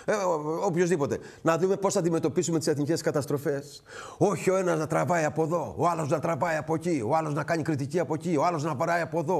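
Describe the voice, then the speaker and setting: Brief: middle-aged male host, fairly high voice, indignant rhetorical monologue, piles up lists and direct appeals. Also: darkish tone. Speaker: TV current-affairs host. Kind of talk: impassioned political commentary monologue.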